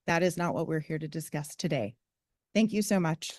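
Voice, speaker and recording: A woman speaking formally at a public meeting, explaining her points in a measured way. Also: low-pitched, darkish tone, dry recording.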